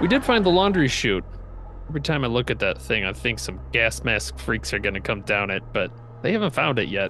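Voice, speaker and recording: Fairly quick speech, dry with no echo, with faint music in the background. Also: man. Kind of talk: in-character narrated recap. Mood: weary, wry humor. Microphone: video call.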